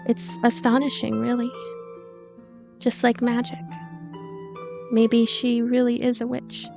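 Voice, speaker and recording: A woman reading a visual novel aloud in an expressive storytelling way, with casual commentary asides. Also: on the high side, slow, vocal fry. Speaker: let's play narrator and commentator. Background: game music.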